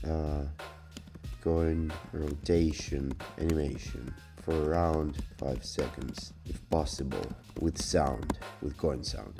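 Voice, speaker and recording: A man giving casual, unscripted review commentary in a hesitant, rambling, sardonic way. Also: very deep voice. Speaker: YouTube software reviewer.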